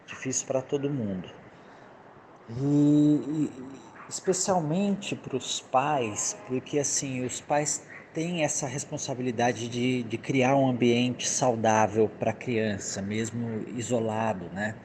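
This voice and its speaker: A man with a Brazilian accent giving casual testimony as an interviewed father, halting and repeating himself for emphasis. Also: medium pitch, darkish tone. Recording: clearly noisy background ambience.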